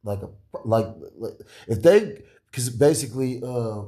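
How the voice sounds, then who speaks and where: Rambling man with a dark, deep voice. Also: lively intonation, measured pace. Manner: rambling, many restarts and fillers, chuckles often. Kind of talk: casual conspiratorial chat.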